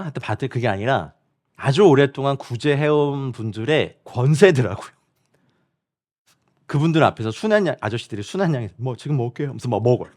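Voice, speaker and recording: Guy preaching a sermon to his congregation, lively, talks straight to the room and the stream, mid pitch. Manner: animated, acts out quoted people and laughs often while preaching; speaks directly to the congregation and online viewers, asking for amens. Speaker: missionary preacher. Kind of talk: sermon at a midweek prayer meeting, also streamed online.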